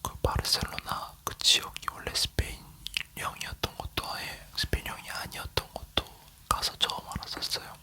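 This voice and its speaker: An ASMR creator from South Korea leaning in to whisper, chatting casually as they tell a travel story. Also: moderate pace.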